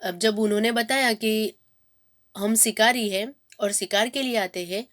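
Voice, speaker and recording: A woman's voice: a little high, fairly even intonation, unhurried, fairly bright tone. A woman teacher reads a textbook story aloud, then repeats and paraphrases each sentence for students. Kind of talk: reading and explaining a textbook story.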